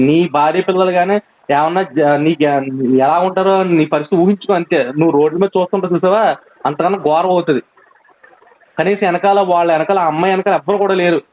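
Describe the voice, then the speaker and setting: A man on a phone call, urgently pleading and reasoning with a friend, with many restarts. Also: high-pitched. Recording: tinny phone line recording.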